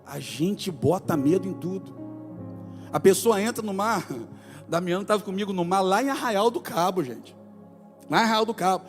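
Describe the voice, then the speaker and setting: A man in his forties, a pastor with a Brazilian accent from Rio de Janeiro state, preaching an animated sermon in a church, moving between soft asides and loud exclamations. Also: high-pitched, moderate pace, pauses often, long reverb tail, soft background music. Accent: Brazilian Portuguese, Rio de Janeiro state. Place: church sanctuary.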